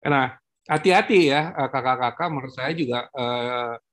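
A man speaking as a guest in a talk-show discussion, pausing often with fillers and restarting phrases, and dropping English terms into his speech. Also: medium pitch, background noise. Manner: halting, many filler pauses and restarts.

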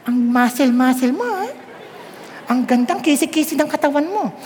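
A woman putting on a soft, coaxing seductress. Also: sits high, expressive, moderate pace, some chatter behind, a little hiss or hum. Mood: flirtatious.

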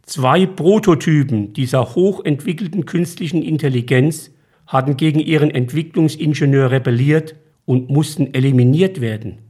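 A man reading his own short story aloud in a calm, measured storytelling manner. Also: a little high, slightly rough. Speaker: author and reader.

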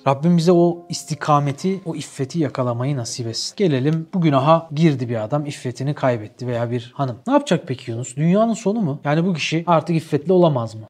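A male preacher delivering a religious talk at a very fast clip. His voice sits a little high, and he keeps pushing the talk along with rhetorical questions and vivid retold stories. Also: faint music behind. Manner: animated storytelling, rhetorical questions.

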